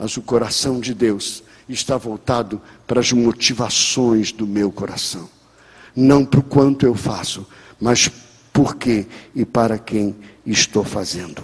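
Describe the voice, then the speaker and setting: Fairly slow, medium-pitched speech from a man, with fairly even intonation, long, frequent pauses and noticeable background noise. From Rio de Janeiro, Brazil. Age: 60s. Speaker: pastor. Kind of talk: sermon. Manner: storytelling.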